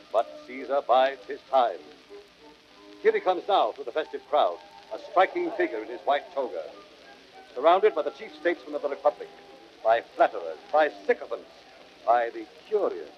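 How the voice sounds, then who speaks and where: Animated, portentous radio narrator. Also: male voice, fairly high pitch. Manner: declamatory, portentous, formal. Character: grand scene-setting narrator of a Roman tragedy. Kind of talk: dramatic scripted radio narration, 1930s. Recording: dull, band-limited vintage radio recording.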